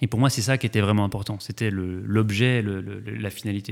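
A man with a fairly low pitch and fairly even intonation is heard on a very clean recording with a silent background. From France, Vosges. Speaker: startup founder, former researcher. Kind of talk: interview. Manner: hesitant, many fillers.

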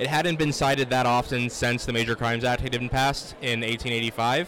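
With noticeable background noise behind him, a man speaks at a moderate pace in a medium pitch, his intonation fairly even. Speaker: student researcher. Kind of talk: interview. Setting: live event with crowd.

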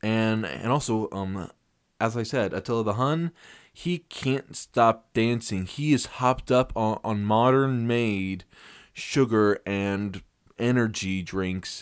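A man talks very slowly in a very clean recording with a silent background. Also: ordinary pitch variation. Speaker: podcast co-host. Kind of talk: mock wrestling-announcer promo for a hypothetical fight game. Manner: booming ring-announcer bombast with hype catchphrases; stumbling, repeats words mid-sentence.

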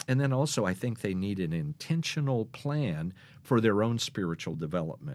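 Recorded very cleanly against a silent background, a man with an American accent talks at medium pitch with very wide pitch swings. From Kansas. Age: 60s. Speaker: pastor and spiritual formation director. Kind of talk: interview.

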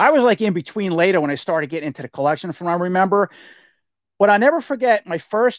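A man with an American accent talks at a very fast pace, his pitch high for a man and his intonation lively. The sound is dry and close with no echo, and the background is quiet. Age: 40s. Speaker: toy collector YouTuber. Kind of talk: casual interview chat.

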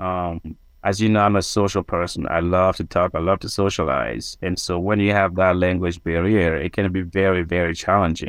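With a Gabonese accent, a man talks in a very deep, low voice at a moderate pace, his intonation fairly even and hardly any pauses breaking it up, against a quiet background. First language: French. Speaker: civil rights advocate. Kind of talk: casual interview. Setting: video call.

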